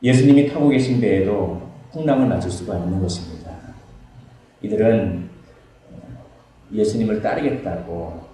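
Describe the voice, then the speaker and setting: A man's voice: fairly low pitch, moderate pace, long pauses, mellow. A male pastor preaching a Sunday sermon, acting out quoted cries in a raised voice. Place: church sanctuary. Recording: echoey church hall from far off.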